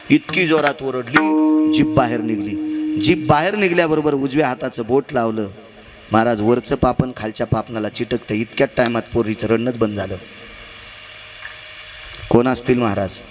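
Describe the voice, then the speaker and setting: Dramatic preacher man, raised voice. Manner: dramatic storytelling with wide swings in pitch and loudness; rhetorical questions to the audience. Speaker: kirtan preacher. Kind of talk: devotional kirtan sermon.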